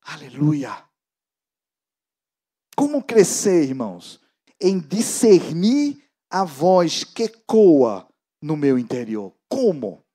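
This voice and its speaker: A Brazilian man preaching a sermon as pastor to a church gathering, emphatic and swinging between loud exhortation and hushed prayer. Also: fairly high pitch, sing-song, slow, pauses often.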